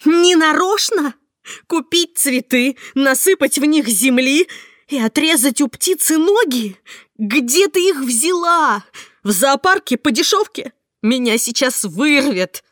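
Brief: woman playing a panicked heroine yelling through tears, loud and very high, dry close sound. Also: expressive, takes it slowly, no echo, exaggerated voice. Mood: furious. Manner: shrill, shouting, near tears. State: sobbing. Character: frightened, hysterical young woman on the phone.

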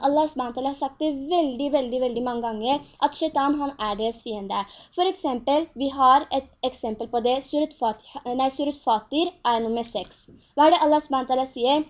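A woman teaching a Quran class, earnest, often asking her students questions. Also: high voice. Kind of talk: religious lesson in Norwegian. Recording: dull lo-fi recording.

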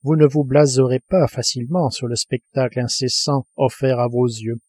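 Brief: male reader as cold, grave submarine commander, dark tone, audiobook. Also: medium pitch, fairly even intonation, slightly rough, natural voice. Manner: grave, measured. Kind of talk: audiobook reading.

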